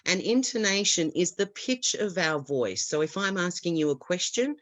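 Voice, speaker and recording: A woman's voice: on the low side, animated, moderate pace, dry recording. Reassuring woman explaining test tips. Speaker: IELTS expert guest. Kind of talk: webinar advice.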